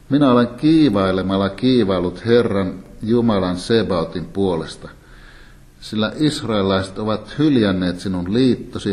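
A man giving a Bible lecture, reading scripture passages aloud in a calm, measured way and explaining them. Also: low-pitched.

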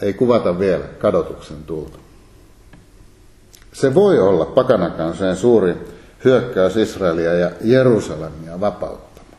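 Guy giving a bible lecture, lowish dark voice, slow careful reading, echoey room. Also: lively intonation. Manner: measured, reads scripture aloud with pauses. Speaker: Bible teacher.

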